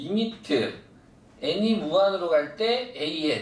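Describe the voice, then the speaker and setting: There is noticeable background noise and audible room echo as a man speaks in a high, animated voice. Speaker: math teacher. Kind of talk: lecture.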